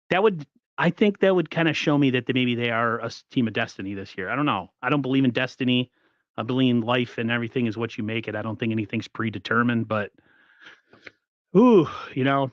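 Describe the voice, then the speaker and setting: A man with a froggy, slightly rough voice talks through a casual sports chat, reading viewer comments aloud as he goes. The audio is dry and a little dull, as if from a modest home setup. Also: mid-range voice, no room sound. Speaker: podcast co-host.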